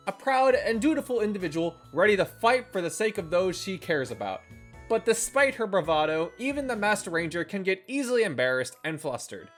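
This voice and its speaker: A game reviewer narrating a scripted video in an expressive, tongue-in-cheek way. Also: medium pitch. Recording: voice-over with faint music underneath. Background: faint background music.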